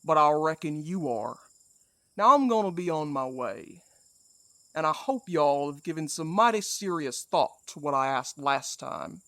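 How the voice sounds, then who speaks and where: A man plays a menacing gentleman villain in an audio drama. He drawls slowly in a fairly high male voice, theatrically polite and taunting. The sound is close and dry. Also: animated, dry recording, full character voice. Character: menacing folksy supernatural man, taunting, mock-courteous cowboy villain. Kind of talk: audio fiction drama acting.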